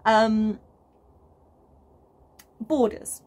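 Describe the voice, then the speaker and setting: A woman's voice: a little high, steady tone, drawn-out words, darkish tone. Chatty British woman vlogging outdoors. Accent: British English. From United Kingdom. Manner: chatty and enthusiastic, many ums and restarts, gestures with her hands. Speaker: gardening vlogger. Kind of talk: casual chat to camera. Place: outdoors on an allotment plot.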